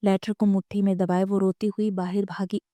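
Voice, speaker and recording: Mellow woman narrating a novel. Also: mid-range voice, no echo. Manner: steady storytelling delivery. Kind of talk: scripted narration of an Urdu romance novel.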